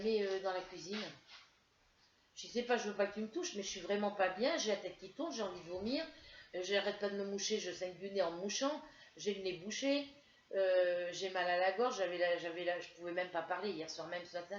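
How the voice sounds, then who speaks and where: A woman's voice: fairly low pitch, a little fast, slight background noise. A woman from France telling a casual, rambling story to her viewers with many hesitations while feeling ill with a headache. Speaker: crafts vlogger. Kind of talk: casual chat to camera. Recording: roomy, dull lo-fi home recording.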